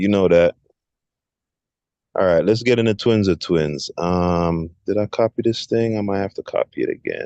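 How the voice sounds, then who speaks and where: Speaking at a moderate pace in an American accent, a man has a dark, mellow tone, ordinary pitch variation and long, frequent pauses, with a dry, close sound and no echo. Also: fairly low pitch for a man. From Jamaica. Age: 40s. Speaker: podcast host. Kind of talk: casual chat.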